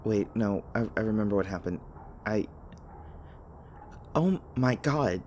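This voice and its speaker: A man's voice: fairly low pitch, lively intonation, unhurried, darkish tone, a little hiss or hum. A man acting a nervous, rambling young human in an audio roleplay, stammering as he talks to the listener. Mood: panicked. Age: young adult.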